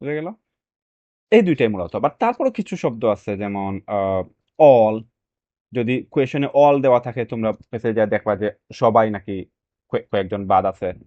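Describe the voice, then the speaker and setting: A man's voice: fairly low pitch, lively intonation, moderate pace, darkish tone, no echo. A man teaching a reading lesson in casual speech, dropping English phrases in as he explains. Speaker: IELTS reading tutor. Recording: dry, dull lo-fi sound.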